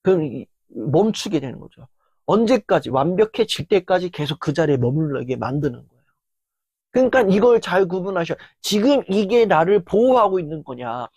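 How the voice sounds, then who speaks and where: An earnest motivational lecturer whose voice has gone tired after a long filming session, speaking in a dry, close sound. They talk steadily at a middling pitch and act out inner voices in sudden loud bursts. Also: big pitch swings, moderate pace, slightly rough, no room sound. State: voice worn down after hours of filming.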